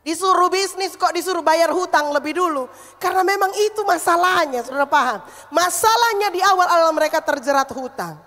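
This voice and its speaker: High-voiced woman preaching with a Manado accent. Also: animated, fairly quick, a bit bright, big-room sound, soft background music. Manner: emphatic, calls the congregation to repeat phrases. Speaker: pastor. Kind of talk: sermon. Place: church hall.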